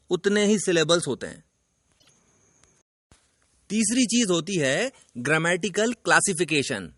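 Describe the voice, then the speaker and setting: Man, high voice, dry close sound; emphatic teacher lecturing straight to camera. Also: fairly bright tone, no room sound. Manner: emphatic, lecturing, addresses viewer directly. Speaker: English teacher. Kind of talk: instructional video lesson.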